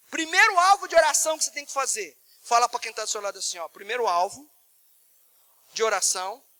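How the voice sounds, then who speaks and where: Male Brazilian pastor, very high and bright, animated sermon delivery. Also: no room sound. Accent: Brazilian Portuguese. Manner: animated preaching, acting out prayers in changing tones. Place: church. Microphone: microphone.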